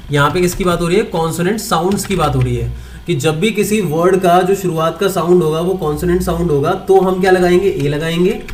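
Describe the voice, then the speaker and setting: A man's voice: sits high, slight background noise. A man teaching English grammar online, asking his students questions and answering them himself. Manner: mixes Hindi with English terms, repeats points.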